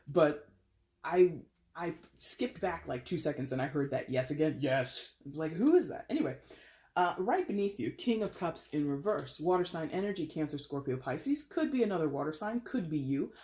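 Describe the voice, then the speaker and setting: Woman tarot reader with a fairly deep voice, chatty and animated, talks in loose run-on phrases. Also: normal speed. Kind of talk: casual tarot reading monologue.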